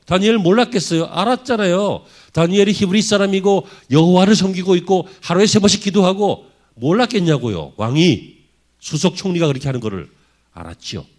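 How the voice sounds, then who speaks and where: Animated male pastor, lively rising and falling pitch. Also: fairly quick. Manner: animated preaching full of rhetorical questions to the congregation. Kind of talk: sermon. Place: church sanctuary.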